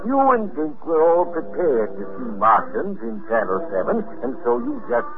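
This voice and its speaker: An actor playing a condescending adult professor in a 1950s radio drama, pedantic and patronizing. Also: male voice, on the high side, huge pitch swings, normal speed, music in the background. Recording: noisy tinny 1950s radio recording.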